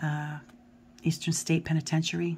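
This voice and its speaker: A woman's fairly low, somewhat breathy voice with an American accent and monotone, flat intonation. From Philadelphia area, US. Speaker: tarot reader and YouTuber. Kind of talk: casual solo video run-through of a deck. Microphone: phone near.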